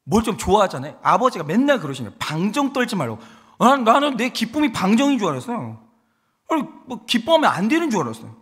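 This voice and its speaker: Lively, high-voiced pastor preaching in a reverberant hall. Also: male voice, fast talker, husky. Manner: animated storytelling with acted quotes. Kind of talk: sermon. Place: church sanctuary.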